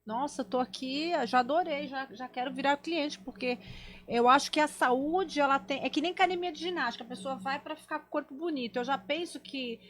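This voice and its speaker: A woman's voice: high voice, a little fast, a bit bright. A Brazilian woman hosting a casual live interview, chatty and playful, often exclaiming. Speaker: talk show host.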